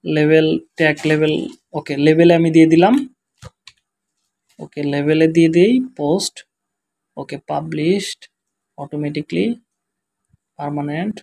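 A tired man with a Bangladeshi accent, speaking quietly and slowly as he walks through a screen-share tutorial. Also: a little high, level tone, vocal fry. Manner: quiet, slow, tired-sounding talk. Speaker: web developer teaching SEO.

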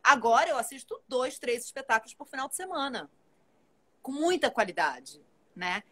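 A woman in her forties chats with animated energy over a video call from home. Her voice sits a little high for a woman, and she talks on in long, busy runs while gesturing. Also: moderate pace. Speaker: actress, guest. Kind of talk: casual live video chat. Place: home room with plants and shelves.

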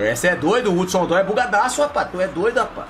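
Brazilian guy trash talking in a live football game stream, bright voice, jumps up and down a lot. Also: high voice, big pitch swings, quick pace, slight background noise. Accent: Brazilian Portuguese. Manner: trash-talking, mocking, profane. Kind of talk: live gameplay commentary.

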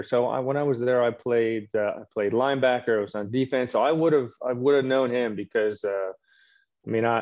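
A middle-aged man, a native French speaker, telling stories in a relaxed way with many fillers on a video call from a home office. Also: mid-range voice. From Quebec, Canada. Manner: storytelling, relaxed, with frequent fillers. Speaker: orthopedic surgeon guest. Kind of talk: casual video call interview. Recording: dull lo-fi call audio.

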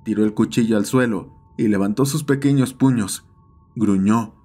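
A man's voice: fairly low pitch, moderate pace, warm tone, slightly rough. A man narrating a scripted horror story as the host of the channel. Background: background music.

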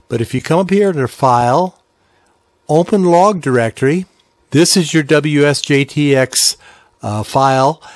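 A man in his sixties hosting an informal ham radio software tutorial, explaining things patiently step by step in a folksy way. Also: mid-range voice.

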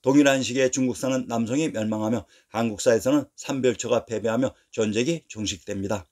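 A man narrates a history explainer in an even, measured read, moving through dates and place names one after another. His voice sits at an ordinary middle pitch for a man, neither deep nor high. The delivery stays scripted and unhurried throughout.

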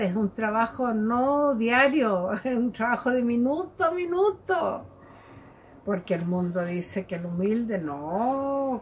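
A woman giving a devotional Bible reflection to her listeners in a gentle, conversational way, laughing often. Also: medium pitch, slightly rough. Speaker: lay preacher.

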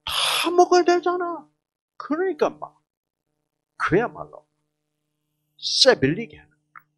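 A man's voice: extremely high pitch, huge pitch swings, slow, a bit bright. A man giving a health lecture to a live audience, quizzing the listeners with questions and jokingly slipping into regional dialects.

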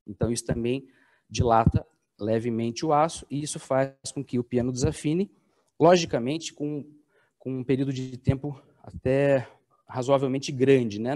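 A man's voice: mid-range voice, dark tone. A Brazilian man in his forties, a piano technician explaining his craft in a workshop, often checking in with tag questions. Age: 40s.

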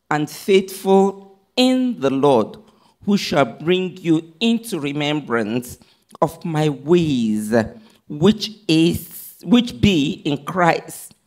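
A woman pastor preaching a sermon, reading scripture in measured phrases and repeating lines for emphasis. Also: sits low, darkish tone.

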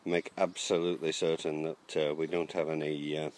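A bass voice delivered flatly at a moderate pace guides the viewer around the garden allotment. He speaks casually and hesitantly, with plenty of uhs, over background noise from the outdoor handheld camera.

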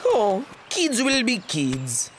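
A man's voice: sits high, wildly swooping pitch, slow pace, very noisy, heavily acted. A man voicing a dreamy, self-absorbed cartoon rooster art teacher in a grandiose, theatrical manner. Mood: sly indulgent. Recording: music under the voice.

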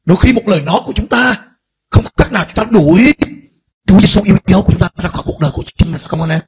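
A middle-aged male pastor preaching a fervent sermon, dropping to a hush and then rising to shouts. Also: high voice, animated, racing, gravelly, husky. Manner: impassioned preaching, swings between hushed and shouted.

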